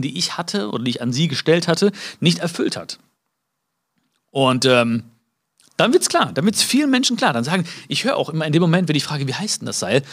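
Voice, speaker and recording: A man giving a live motivational talk. He speaks to his listeners directly, acts out little dialogues and jumps high in pitch to stress a point. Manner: many fillers and restarts, acts out small dialogues.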